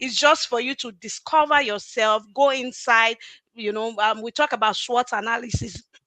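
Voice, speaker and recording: A woman's bright, sharp voice with a Nigerian accent, fairly high in pitch, at a moderate pace, with fairly even intonation. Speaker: life coach and pastor's wife. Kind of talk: interview. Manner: confident, authoritative.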